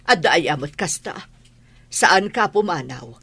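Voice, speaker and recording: A woman's voice: fairly low pitch, lively intonation, measured pace, creaky, sharp tone, husky, dry recording, exaggerated voice. Worried, pleading old grandmother. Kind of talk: Ilocano radio drama acting.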